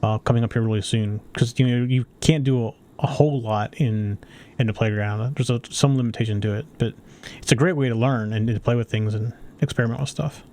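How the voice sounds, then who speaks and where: A man's voice: mid-range voice, steady tone, a little fast, darkish tone, slight background noise. A man co-hosting a casual tech chat, talking in a chatty way with rambling restarts. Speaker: co-host.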